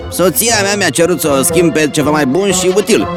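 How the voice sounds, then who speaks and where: A man's voice: on the high side, lightly acted. A man voicing a glum, hesitant villager. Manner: downcast, hesitant. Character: glum middle-aged man, friendly villager. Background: background music.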